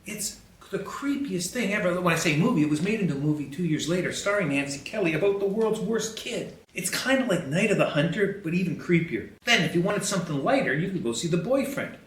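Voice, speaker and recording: Man, fairly high voice, conversational podcast host, emphatic colloquial commentary, roomy echo. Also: animated, brisk, few pauses, a bit bright, a little hiss or hum. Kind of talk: animated commentary with newspaper headlines read aloud. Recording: echoey room, distant from the mic.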